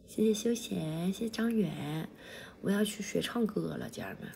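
A woman hosting a livestream, chatting casually with viewers between songs, her throat feeling blocked and a little hoarse. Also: mid-range voice, expressive, noisy background. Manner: sings then chats quickly to viewers, self-deprecating. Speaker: livestream host. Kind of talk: casual livestream chat and singing.

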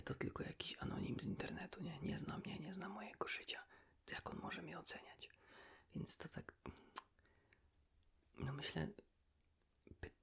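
A man whispers softly and intimately, in an unhurried ASMR chat as if to a friend. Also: a little high. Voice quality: soft breathy whisper. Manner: hushed, intimate, unhurried, addressing the listener as a friend. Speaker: ASMR creator, host.

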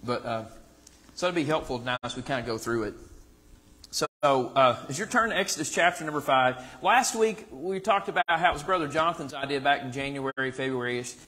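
A man's voice: mid-range voice, brisk, bright, forceful tone. A man in his thirties with a Southern US accent, teaching a church Bible study in a casual way with many fillers and restarts, recorded from the pews. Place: church sanctuary. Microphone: far camera in the pews.

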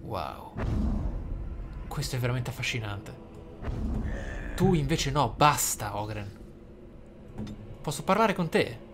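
With music behind him, a man in a role-play gaming video talks slowly, leaving long pauses, his mid-range voice swinging widely in pitch. His commentary is reflective and explanatory, and he reads some in-game text aloud. Faint noise and game sounds are audible.

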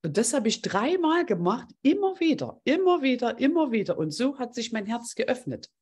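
Lively, husky-voiced female coach. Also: on the high side, normal speed. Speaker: coach and group session host. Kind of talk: casual online group coaching.

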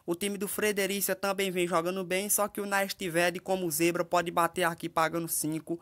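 A Brazilian-accented man talks through football betting picks in a relaxed voice-over. He walks through the odds in a steady, methodical way. He keeps tossing quick tag questions to his listeners. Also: sits high. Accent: Brazilian Portuguese. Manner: ends phrases with tag questions to the audience. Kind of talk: casual voice-over over betting screens.

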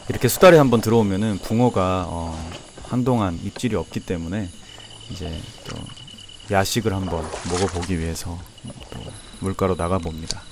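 Deep-voiced man narrating night fishing. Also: normal speed, noisy background. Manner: chatty, laughs often. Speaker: fishing vlog host. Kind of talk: casual voice-over narration. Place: reservoir bank at night, outdoors.

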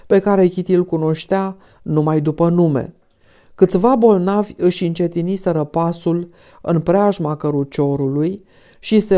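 Low, mellow woman reading a classic novel. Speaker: audiobook narrator. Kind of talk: scripted narration.

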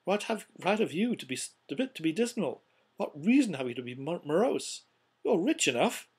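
A man voicing a cheerful, warm-hearted young nephew from a storybook, pleading earnestly. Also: high voice, big pitch swings, normal speed, slightly rough, pitched above the performer's own voice, full character voice. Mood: gaily teasing. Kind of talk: storybook character reading.

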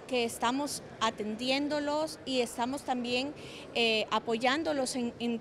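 A woman in her thirties, an honorary consul, answering interview questions earnestly in a large conference hall, with small restarts. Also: high-pitched. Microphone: handheld mics and phone held up close. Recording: crowd murmur in a hall. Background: crowd chatter.

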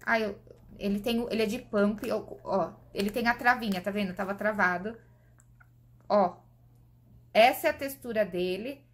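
A woman's voice: medium pitch, normal speed, pauses often. A woman from Brazil chatting casually to camera, enthusiastically reviewing and demonstrating beauty products for her viewers. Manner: demonstrating products while talking. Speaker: beauty vlogger.

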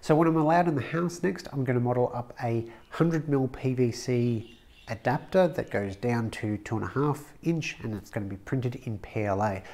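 A man's voice: medium pitch, normal speed, darkish tone. A man, talking casually and practically about a workshop project, recorded in a brick-walled home workshop. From Australia. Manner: chatty, practical, wry asides. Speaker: woodworking channel host. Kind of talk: casual how-to vlog.

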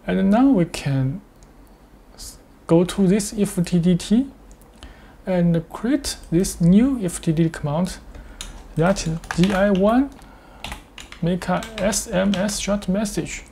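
A man demonstrates a product step by step in halting English. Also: high-pitched, gravelly, warm tone, slightly rough. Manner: step-by-step, halting non-native English phrasing. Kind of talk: screen-share tutorial with live demonstration.

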